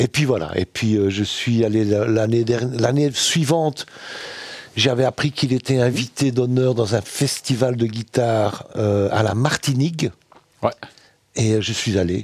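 A man's medium-pitched voice at a fairly slow pace, with long, frequent pauses, ordinary pitch variation and very even loudness. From Belgium, Charleroi, Greek parents. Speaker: jazz bassist. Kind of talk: interview. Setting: streaming studio.

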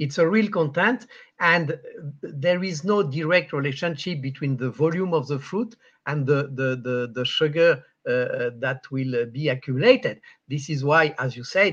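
Against a quiet background, someone with a French accent speaks at a moderate pace with ordinary pitch variation. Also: man. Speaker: vine physiology professor. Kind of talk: lecture. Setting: video call.

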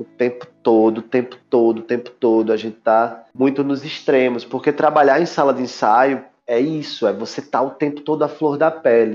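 A normal speaking voice at a moderate pace, with fairly even intonation and hardly any pauses. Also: man, medium pitch for a man. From Brazil, Pernambuco (Garanhuns). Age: 30s. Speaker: stage actor. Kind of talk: interview.

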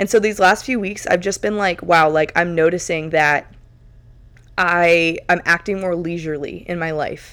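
In a very clean recording with a silent background, a woman with an ordinary speaking voice talks at a moderate pace, fairly low in pitch with fairly even intonation. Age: 20s. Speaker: podcast host and content creator. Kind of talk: casual solo talk on faith and life. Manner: casual, filler-heavy.

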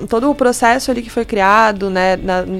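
Music plays in the background as a woman talks at a fairly high pitch with ordinary pitch variation. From Rio Grande do Sul, Brazil (Porto Alegre). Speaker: HR professional, former engineer. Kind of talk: podcast interview.

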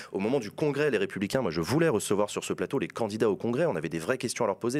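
A man's fairly low voice, very fast, with very wide pitch swings. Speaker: political talk show host. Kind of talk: live talk show. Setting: studio with audience.

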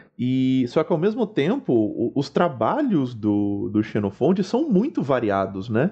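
His pitch is medium, and this man makes very wide pitch swings. He speaks at a fairly slow pace. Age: 30s. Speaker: podcast host, history student. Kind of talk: casual interview chat.

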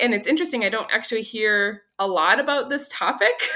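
Her tone is bright and sharp, with lively intonation and a Canadian accent. The woman speaks at a fairly quick pace. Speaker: guest with a stutter. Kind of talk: casual interview, personal story.

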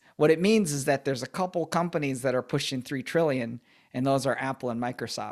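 With an American accent and a normal speaking voice, a man talks at a fairly quick pace in a fairly high pitch with ordinary pitch variation, on a very clean recording with a silent background. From US Midwest, Michigan. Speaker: venture capital investor. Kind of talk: interview. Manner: casual, filler-heavy.

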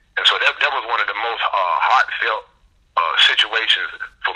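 A man with a Memphis accent talks at a fairly quick pace. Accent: Southern US, Memphis. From Memphis, Tennessee, US South. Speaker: poet. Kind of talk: casual interview. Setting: phone call.

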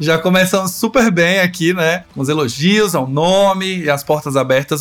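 The voice shows ordinary pitch variation, with music playing in the background. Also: man. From Brazil, Aracaju (Sergipe, Northeast). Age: 30s. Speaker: branding specialist. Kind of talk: casual chat.

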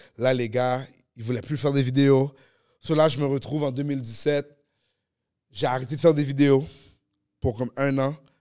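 The dark, mellow tone comes at a moderate pace with fairly even intonation and long, frequent pauses, on a very clean recording with a silent background. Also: man, medium pitch for a man. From Ottawa, Canada. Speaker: comedian. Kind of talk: casual chat.

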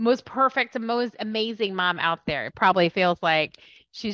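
A woman with an American accent speaks in a bright, sharp tone, with a dry, close sound, no echo and a quiet background. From United States. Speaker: podcast host, career consultant. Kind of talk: interview.

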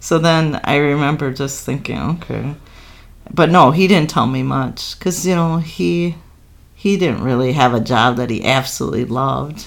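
Using vocal fry, a woman speaks at a very deep, low pitch and a moderate pace with lively intonation. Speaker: occupational therapist and mother of host. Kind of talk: casual chat. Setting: home bedroom.

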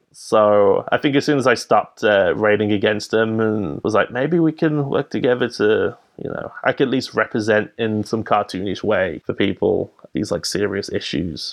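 Talking with a Birmingham accent, a man keeps a moderate pace with hardly any pauses, a medium pitch and ordinary pitch variation. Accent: Birmingham English (Brummie). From England, Birmingham. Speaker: comic book artist. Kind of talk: casual interview.

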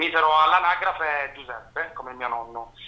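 Noticeable background noise behind a man's fairly high pitch and moderate pace. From Apulia, southern Italy. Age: 20s. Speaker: singer. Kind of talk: interview.

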